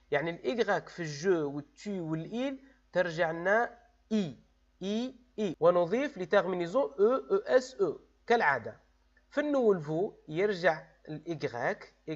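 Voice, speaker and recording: Man explaining French grammar. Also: fairly high pitch. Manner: switches between French and Arabic, spelling out letters. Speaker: French teacher. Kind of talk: explaining grammar exercises to pupils. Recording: dull, lo-fi sound.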